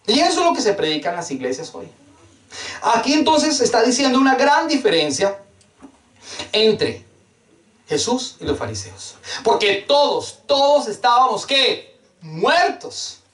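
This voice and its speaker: A man's voice: very high voice, sing-song, measured pace, a bit bright. Fervent male preacher in an echoey hall. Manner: fervent, emphatic preaching with rhetorical questions and repetition. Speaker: pastor. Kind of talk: sermon. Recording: echoey room, mic at a distance.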